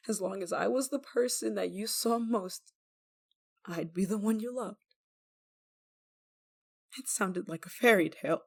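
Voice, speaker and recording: A woman playing a desperate, guilt-ridden young lover in an intimate audio roleplay, tender and anxious, with halting, stammering delivery. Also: medium pitch, darkish tone. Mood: desperate, confessing. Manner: halting, stammering, emotionally fragile.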